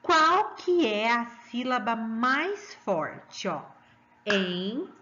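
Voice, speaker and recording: Lively high-voiced woman teacher, Brazilian Portuguese. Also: lo-fi sound, a little hiss or hum. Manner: sing-song, coaxing, slow syllable stressing. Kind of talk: children's lesson.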